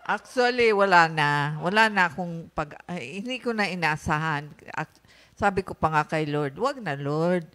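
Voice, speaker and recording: A woman's voice: fairly low pitch, expressive, normal speed, fairly bright tone. An older woman who is a guest on a Christian talk program. She answers in short phrases such as "amen" and "praise God".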